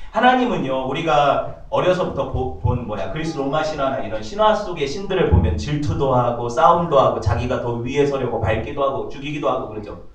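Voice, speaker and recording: A man preaching a sermon as pastor, in a lively conversational way, often asking the congregation questions. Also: medium pitch. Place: church sanctuary. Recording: echoey church hall, mic at a distance.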